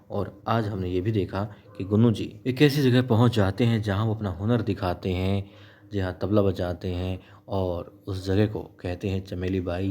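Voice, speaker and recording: A man's voice: low voice, dark tone. A man narrating a recap of a TV serial episode in a chatty storytelling way. He talks straight to viewers as friends. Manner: chatty, addresses viewers as friends, repeats "yes indeed".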